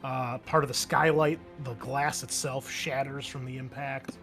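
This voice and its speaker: A man's voice: medium pitch, level tone, unhurried, a bit bright, faint music behind. A man running a tabletop game as game master, improvising narration in a conversational, explanatory way.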